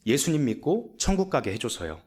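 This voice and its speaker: A man acting out a brave, calm young boy who speaks with quiet, earnest sincerity. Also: mid-range voice, brisk, husky.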